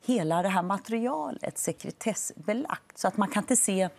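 A woman in her forties, a lawyer and studio guest on a morning TV show, explaining in a measured, firm way on a lapel mic. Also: medium pitch, expressive, creaky, darkish tone. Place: TV studio set.

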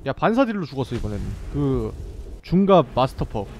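A young man streaming a game, commenting live and swearing, with sudden yelled bursts. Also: medium pitch, very animated, fairly quick, a little hiss or hum. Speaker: gameplay streamer.

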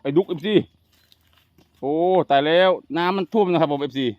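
A man's voice: fairly high pitch, moderate pace, dry recording. Guy vlogging out in the fields, dry muffled mic, animals in the background, chatty. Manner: chatty, addresses viewers as brothers and sisters, laughs easily. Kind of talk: casual outdoor fishing vlog. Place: outdoors in rural fields. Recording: muffled lo-fi outdoor audio.

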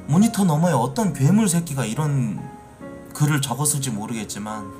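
A man talks to his live-stream audience in a casual, heated rant, swearing freely and climbing into angry shouts. His pitch swings widely as he argues, and faint music plays in the background. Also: animated, normal speed. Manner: angry, profane, rising to shouting.

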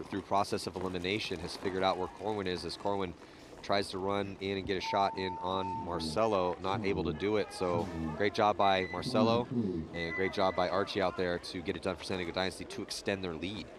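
A man giving live play-by-play sports commentary, lively on big plays. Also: low voice, fairly quick, noisy background. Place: outdoor paintball field.

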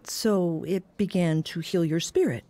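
An actress playing a kind, motherly older woman, a gentle Christian mentor counselling in an audio drama. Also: lowish voice, measured pace. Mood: gentle, encouraging.

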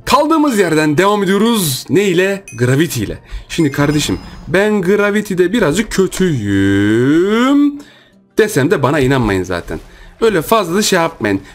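Young guy hyped up playing a game, kinda high voice, repeats stuff fast, little music under it. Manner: lively, playful, repeats words rapidly, exclaims often. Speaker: gaming YouTuber. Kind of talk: excited gameplay commentary. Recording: faint music behind.

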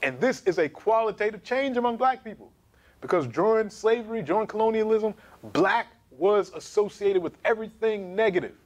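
A man in his thirties giving an emphatic, animated history lecture to camera in a small studio. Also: high voice, normal speed, muffled recording. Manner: animated, emphatic, gesturing while pacing.

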